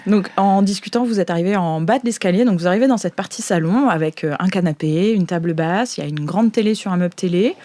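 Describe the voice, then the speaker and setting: A woman's voice: on the low side, fast talker, few pauses, mellow. A woman improvising scene descriptions as a game master in a casual, conversational way.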